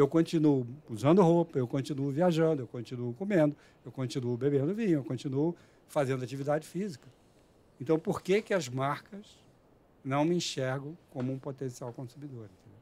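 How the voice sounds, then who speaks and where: His voice has a dark, mellow tone, and this man's loudness swings widely. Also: fairly high pitch for a man, ordinary pitch variation, moderate pace. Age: 60s. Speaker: advertising executive. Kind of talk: casual chat.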